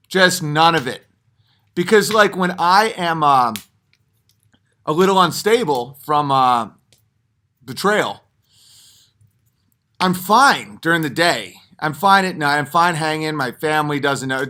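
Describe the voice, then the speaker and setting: A man with a bright, forceful, slightly high voice rambles through an off-the-cuff monologue on his own stream. He digresses constantly, stacking fillers and restarts, and breaks into animated mock voices for punchlines. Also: measured pace, pauses often.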